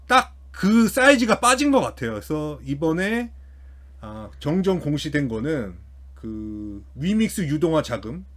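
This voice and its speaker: A man's voice: on the high side, a bit bright. A man giving casual explanatory financial commentary as an online host, informally thinking aloud as he works through figures. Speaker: YouTube host commenting on company earnings.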